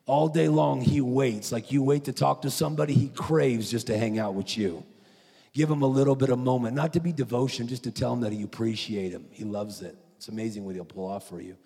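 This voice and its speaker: A man preaching at a conference, telling a story with animated, acted-out quotes. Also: medium pitch, brisk, gravelly, breathy edge. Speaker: conference speaker. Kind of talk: preaching sermon. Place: large conference hall. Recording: echoey hall.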